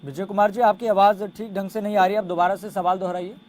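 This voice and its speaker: A man's voice: high voice, little pitch movement, fast, a little mellow. A man hosting a health call-in programme, addressing guests and callers formally and politely and prompting them with questions. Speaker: host of a health call-in show.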